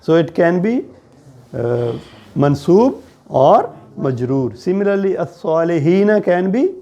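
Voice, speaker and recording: Man, South Asian accent, slow teacher's delivery, mellow tone, slightly high pitch, deliberate explaining. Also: sing-song, dull audio. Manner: deliberate, explanatory, checking questions. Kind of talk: classroom lesson on Arabic grammar.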